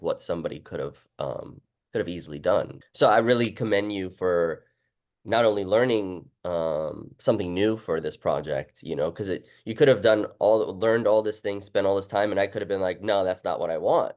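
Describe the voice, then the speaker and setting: A man with a low voice hosts an informal interview. He speaks in an everyday, conversational way, as in a casual chat with a guest. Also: normal speed, darkish tone. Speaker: host and book author.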